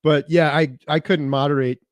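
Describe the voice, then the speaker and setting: A male interview host with a slightly raised pitch, speaking in an easygoing, casual way. He rambles a little as he builds his questions on what the guest has said. The sound is dry and close. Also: fairly even intonation, moderate pace, no room sound.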